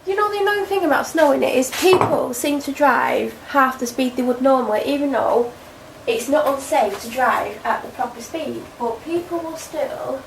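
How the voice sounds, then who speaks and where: A woman's voice: high voice, normal speed, creaky, background noise. A young woman with a cold, chatting and rambling to camera at home in a casual vlog. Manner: rambling, self-deprecating, chatty. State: congested, snotty from a cold. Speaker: vlogger. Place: at home, indoors. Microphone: camera mic.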